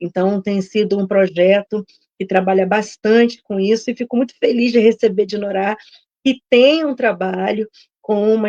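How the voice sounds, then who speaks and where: A woman with a plain, everyday voice, ordinary pitch variation, and a dry, close sound with no echo. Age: middle-aged. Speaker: interviewer. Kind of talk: interview.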